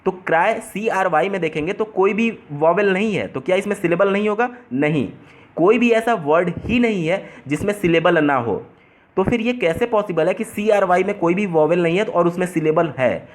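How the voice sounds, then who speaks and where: A man working through an exam paper as a tutor, explaining step by step and restating each term in simpler words. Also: high voice.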